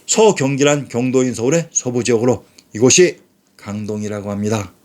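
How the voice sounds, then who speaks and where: A man's voice: medium pitch, normal speed. Man narrating a scripted history lecture. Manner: steady lecturing delivery, reading quotations aloud. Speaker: channel narrator. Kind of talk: scripted narration reading from sources.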